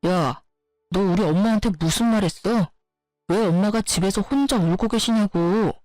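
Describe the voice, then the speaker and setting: A woman's voice: medium pitch, normal speed, a little mellow, no echo, close to an everyday voice. An irritated young husband snaps accusations at his wife, voiced by a woman storyteller. His tone is sarcastic and blaming. Dry, close sound with faint music behind. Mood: accusing.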